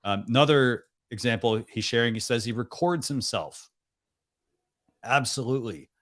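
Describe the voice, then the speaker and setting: Casual live stream chat comes from a young adult male host on a video call, full of "like" and "you know." He has a medium-pitched, somewhat bright voice and talks at a moderate pace.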